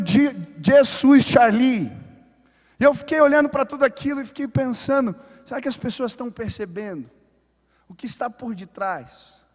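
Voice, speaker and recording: A Brazilian pastor with a strikingly high voice delivers a fervent sermon, easing into chatty asides before pressing his point. His words ring through a church hall with a long, lingering reverb. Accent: Brazilian Portuguese. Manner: impassioned preaching with casual asides and building exhortation. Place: church sanctuary.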